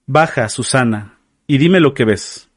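A man's voice: medium pitch, lively intonation, a little slow, no echo, studio quality. A man voicing a stern father in an audiobook, giving insistent, commanding orders. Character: stern insistent father urging his daughter.

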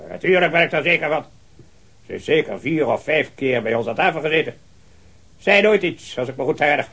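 A husky, animated old colonel. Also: male voice, fairly high pitch, brisk, full character voice. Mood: insistent, flustered. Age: older. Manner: rambling, hearty, with repeated affirmations and chuckles. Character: talkative, hard-of-hearing, jovial old retired colonel. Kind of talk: radio drama acting.

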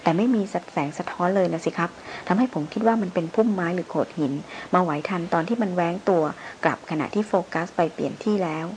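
A woman reading the lines of a hot-headed, proud male hunter in an audiobook, delivered urgently and forcefully. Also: fairly low pitch, quick pace, hardly any pauses, a little hiss or hum, close to an everyday voice.

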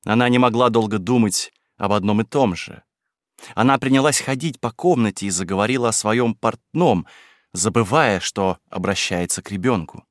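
A man narrating a classic novel aloud in an even, measured storytelling manner. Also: lowish voice, dry recording, clean studio sound. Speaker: audiobook reader.

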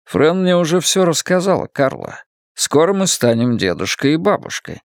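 A man voicing a calm, quiet, restrained middle-aged father. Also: on the high side, moderate pace, no echo, studio quality, voice pushed up.

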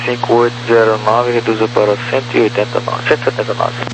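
A man's voice: medium pitch, little pitch movement, fast talker. A Brazilian man working as an air traffic controller, giving terse, procedural instructions over a walkie-talkie style radio. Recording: noisy humming aviation radio transmission.

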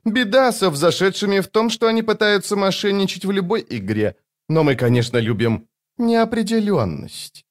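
A man doing a high, imperious goddess of luck. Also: animated, normal speed. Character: capricious twin goddess of luck, sharp, imperious.

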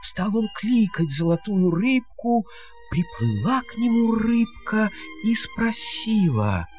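A man's voice: high voice, sing-song, takes it slowly, soft background music. A man narrating a fairy tale in verse as a storyteller, with a theatrical, singsong delivery.

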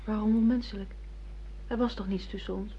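A woman's voice: medium pitch, steady tone, brisk, dark tone, slightly rough. An actress playing a cool, pragmatic woman, matter-of-fact and self-justifying, in a Dutch radio play. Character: cool, calculating woman, pragmatic sham lover. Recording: dull lo-fi radio play recording.

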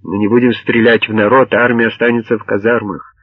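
A man's voice: on the low side, flat delivery, fast, dry recording. A man voicing a stern male army general who speaks curtly and firmly. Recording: dull lo-fi dry audio.

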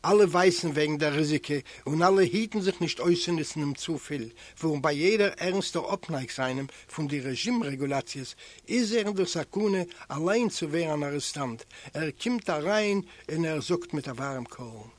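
A male native Yiddish speaker reading a first-person literary narration in a measured, earnest way. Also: on the high side, animated. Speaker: audiobook reader.

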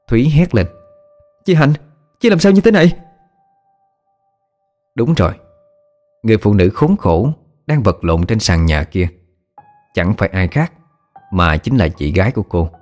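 A man reading a scripted horror story in a dramatic, expressive way. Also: on the low side.

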